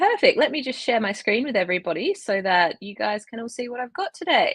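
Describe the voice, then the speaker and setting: A woman with an Australian accent speaks fairly quickly at a high pitch, with very wide pitch swings and big swings in loudness. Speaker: marine scientist. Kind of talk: online presentation.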